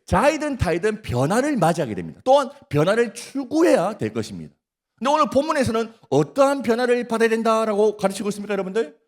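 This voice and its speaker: A male pastor with a Gyeongsang accent preaching a sermon at a prayer meeting, often putting questions to the congregation and teasing them. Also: sits high. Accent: Gyeongsang Korean. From Gyeongsang region, Korea. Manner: questions the congregation, prompts replies, jokes. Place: church.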